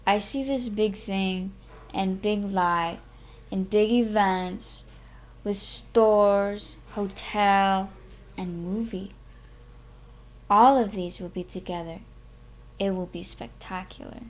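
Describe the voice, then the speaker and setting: Woman plays a childishly grandiose male eccentric from a storybook reading, dreamy, unhurried, halting broken English. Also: mid-range voice, fairly even intonation, close to an everyday voice. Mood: dreamy, grand. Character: odd, childishly grandiose man, dreamy and self-important.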